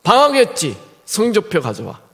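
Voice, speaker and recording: A man voicing his strict rural farmer father, calling out in loud, slow, commanding bursts. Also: high voice, wildly swooping pitch, long reverb tail, voice pushed up, heavily acted. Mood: stern.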